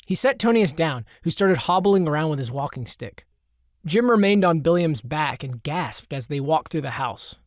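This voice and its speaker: A man reading his own comic audiobook in an even, matter-of-fact way. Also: a little high, moderate pace, dry recording, studio quality. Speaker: author and audiobook narrator. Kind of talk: scripted audiobook narration.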